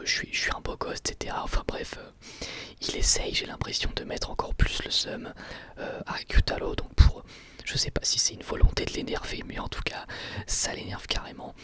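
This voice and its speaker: Guy doing asmr review, all whispered, crisp bright sound, kinda hesitant and informal. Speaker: ASMR YouTuber reviewing anime.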